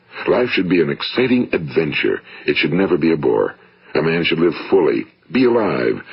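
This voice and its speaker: Noticeable background noise behind a man in an American accent. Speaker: motivational speaker / radio broadcaster. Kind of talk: motivational spoken-word lecture.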